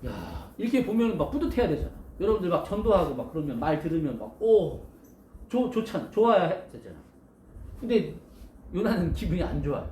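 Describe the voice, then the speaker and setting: A male pastor giving a storytelling sermon to children, animated and asking his listeners questions. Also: a little high, fairly quick, echoey room, a little hiss or hum.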